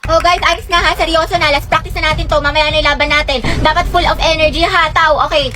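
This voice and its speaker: A woman's voice: high voice, steady tone, fast. A woman acting out chatty, gossipy schoolgirl comedy skits in a dramatic way. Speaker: comedy skit creator playing schoolgirl characters. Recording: loud background music.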